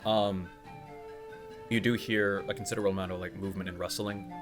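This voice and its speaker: A man narrating a tabletop roleplaying game as game master, improvising in a halting, conversational way as he thinks aloud. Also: low-pitched, level tone. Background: music.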